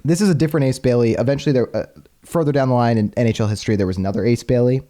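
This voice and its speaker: A man hosting a casual history podcast, chatty and quick to laugh. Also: mid-range voice, warm tone. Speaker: podcast host.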